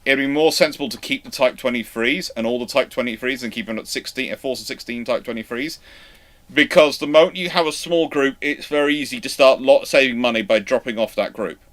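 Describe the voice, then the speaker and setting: Bright-voiced man, halting and stammering. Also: mid-range voice. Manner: halting, stammering false starts and self-repetition. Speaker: host answering live viewer questions. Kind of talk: casual chat, live question and answer.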